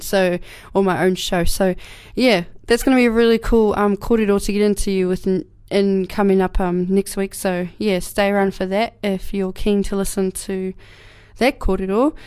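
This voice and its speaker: A woman's voice: mid-range voice, flat delivery, normal speed, darkish tone, clear, resonant tone. A young woman from New Zealand, speaking with a New Zealand accent, hosts her community radio show with a cold, in a rambling, casual way full of fillers and restarts. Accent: New Zealand English. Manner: rambling, many fillers and restarts, laughs often. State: has a cold. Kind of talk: casual solo radio talk. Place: radio studio.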